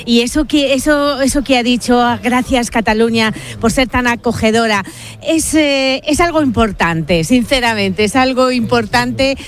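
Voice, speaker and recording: A woman's voice: fairly high pitch, moderate pace. A woman reporting live on site for radio, earnest and a little hesitant, repeating words as she goes. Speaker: field reporter.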